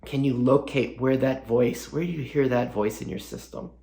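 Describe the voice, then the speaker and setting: A man guides a meditation in a slow, soft, unhurried voice, leaving long pauses between gentle questions. His mid-pitched voice has a gravelly rasp. The sound is roomy, with echo around him. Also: fairly even intonation, a little hiss or hum. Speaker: meditation teacher.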